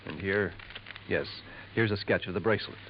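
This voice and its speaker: A smooth jeweler in a 1950s radio mystery, lowering his voice to share gossip. His tone is confiding and insinuating, set a bit low. The old broadcast is dull with a faint hiss. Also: normal speed. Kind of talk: 1950s radio drama acting.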